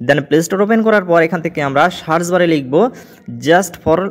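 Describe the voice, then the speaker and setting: A man's voice: fairly high pitch, a little fast. A man hosting a step-by-step app tutorial, mixing English words into his speech. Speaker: tech tutorial host.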